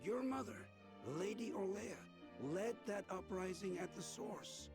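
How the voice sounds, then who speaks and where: An actor playing an old villager in a fantasy game, with deliberate, old-fashioned storytelling speech, recalling the past. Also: male voice, high voice, expressive, creaky, exaggerated voice. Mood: proud, reminiscing. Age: older. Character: old Rosellan villager recalling a long-ago revolt. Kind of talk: scripted fantasy game voice acting. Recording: game music behind the voice.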